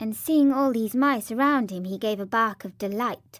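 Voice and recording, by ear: The voice reads aloud in a natural voice with ordinary pitch variation.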